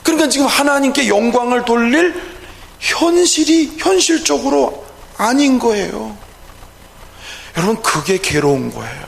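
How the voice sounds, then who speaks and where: High-pitched, gravelly man preaching. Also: fairly bright tone. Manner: emphatic preaching with rhetorical questions and calls of hallelujah. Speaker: pastor. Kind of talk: evening worship sermon. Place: church sanctuary. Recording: echoey church hall, faint ambience.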